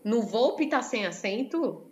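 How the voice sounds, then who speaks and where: A woman's voice: fairly high pitch, slow pace, muffled recording. A woman teacher with a Brazilian Portuguese accent, explaining a lesson in an online class and often checking in with her students. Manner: lively, questions the students often.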